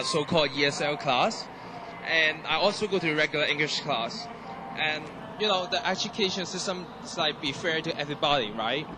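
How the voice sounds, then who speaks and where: A young man from Hong Kong with a Hong Kong accent and Cantonese as his first language. He speaks haltingly as a panel guest, with many restarts and fillers. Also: on the high side. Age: young adult. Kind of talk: panel discussion. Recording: noisy room.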